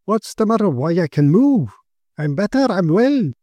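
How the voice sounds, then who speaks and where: A man's voice: high voice, big pitch swings, normal speed, mellow, dry recording, muffled recording, voice pushed up. A man voicing an older paralysed father who has just been cured, breathless with astonishment. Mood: amazed.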